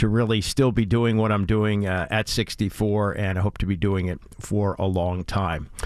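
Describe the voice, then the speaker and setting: A man's unremarkable speaking voice, fairly low in pitch, at a moderate pace with hardly any pauses. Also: fairly even intonation. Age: 60s. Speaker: sports radio host. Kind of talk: radio talk show monologue.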